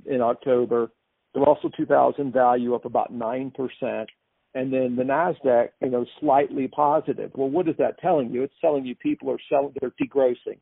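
Male market commentator, husky with heavy fry, opinionated, on a dry, thin phone-like line. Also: medium pitch, no room sound. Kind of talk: unscripted financial commentary.

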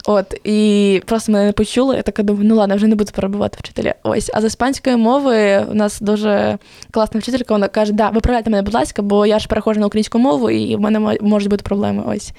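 Teen girl guest, relaxed warm tone, rambling lively storyteller, dry booth sound. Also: medium pitch, rapid-fire, gravelly, no echo. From Ukraine. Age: teens. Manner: chatty, lively storytelling with many fillers. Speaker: podcast guest. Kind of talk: casual podcast interview.

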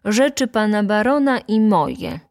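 A woman's voice: mid-range voice, expressive, a little slow, darkish tone, no echo, clean studio sound, pitched above the performer's own voice. A pompous, insolent valet, as a woman narrator puts him on, talking down to everyone in a haughty, commanding voice. He gives orders in the tone of a man who runs the house, as in a storybook reading.

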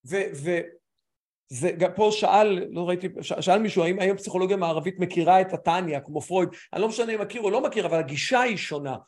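A man who is a mental coach, speaking as a guest in a casual video-call conversation, animated and stop-start with many restarts. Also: high-pitched.

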